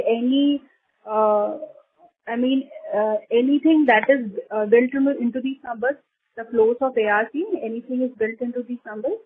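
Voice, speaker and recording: A woman with an Indian accent asks analyst questions over a narrow telephone line. Her voice sits fairly high. She feels her way through each question haltingly, repeating phrases as she probes. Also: breathy edge, no echo. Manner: halting, repetitive, probing. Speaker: analyst asking questions on an earnings call. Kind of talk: question-and-answer on a conference call. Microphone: telephone conference call. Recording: tinny narrow phone line.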